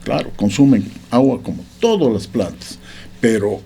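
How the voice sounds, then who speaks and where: A man's voice: mid-range voice, lively intonation, normal speed, gravelly, mellow, a little hiss or hum. A man explaining points as a radio interview guest, hesitant with many fillers. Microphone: studio microphone.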